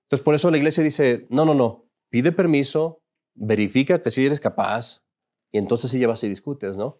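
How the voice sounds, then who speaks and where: A man's voice: medium pitch, moderate pace, darkish tone. A man, a Catholic priest, teaching an informal class in a conversational, joking way and often asking his listeners questions.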